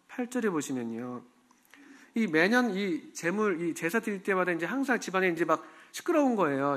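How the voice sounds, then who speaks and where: A pastor preaches a sermon in a church, his voice a bit bright and a little higher than most men's. He speaks to the congregation in an easy, conversational way and often asks them questions.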